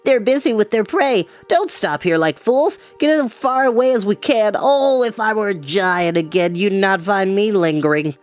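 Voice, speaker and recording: A storyteller voicing a tiny, grumpy former giant who scolds and shouts in fright. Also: mid-range voice, animated, normal speed, few pauses, voice pushed up, close to an everyday voice. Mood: frightened.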